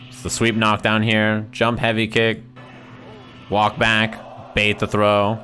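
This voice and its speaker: A man's voice: on the low side, monotone, takes it slowly, bright, forceful tone, soft background music. A man giving casual, conversational fighting game commentary on a livestream, repeating phrases for emphasis and often checking in with "right?".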